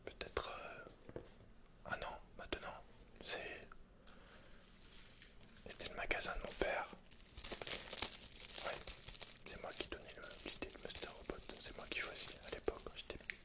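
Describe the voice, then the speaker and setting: A young man with a French accent, whispering hesitantly and softly in a breathy ASMR roleplay as an awkward, introverted computer shop keeper. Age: young adult. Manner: hesitant, halting, soft-spoken. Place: indoors, dark backdrop. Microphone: close microphone.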